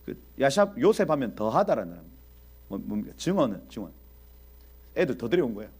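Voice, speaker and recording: A man teaching a Bible exposition in an animated preaching style, speaking directly to his audience and acting out scenes. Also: medium pitch, fast talker, breathy edge. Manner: animated, acts out quoted dialogue.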